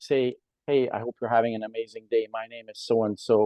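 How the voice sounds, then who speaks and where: A man speaks at a fairly quick pace and medium pitch, his intonation monotone and flat. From Hungary. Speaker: pharmacy industry mentor. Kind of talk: mentoring advice chat. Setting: video call.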